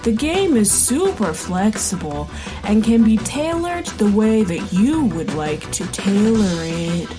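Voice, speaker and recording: Slow chill surfer dude turtle done by a lady, drawn out promo read, music behind. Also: medium pitch, animated. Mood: laid-back. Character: laid-back surfer dude sea turtle doctor.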